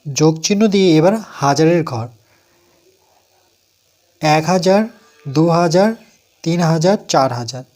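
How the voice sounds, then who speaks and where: A man with a fairly high voice and a West Bengal Bengali accent talks students through a place-value lesson. He counts each item aloud in a patient, steady rhythm. He keeps asking the class questions and then answers them himself. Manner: counts aloud slowly, asks and answers his own questions. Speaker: math teacher. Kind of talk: step-by-step math lesson.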